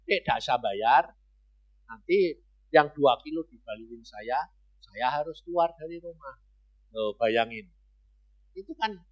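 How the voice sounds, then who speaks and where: Middle-aged man, evangelist; conversational testimony sermon with abrupt swings in loudness. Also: high voice. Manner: conversational storytelling with sudden jumps in loudness. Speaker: evangelist preacher.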